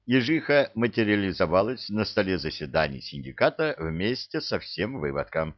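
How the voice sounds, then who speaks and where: Low-voiced man narrating an audiobook. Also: normal speed. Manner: expressive storytelling. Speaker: audiobook reader. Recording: dull lo-fi audio.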